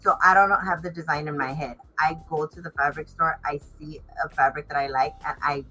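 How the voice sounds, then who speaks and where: Low, bright-voiced woman. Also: steady tone, brisk, faint music behind, poor audio. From Los Angeles area, United States. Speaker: fashion designer and stylist, interview guest. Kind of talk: casual interview chat.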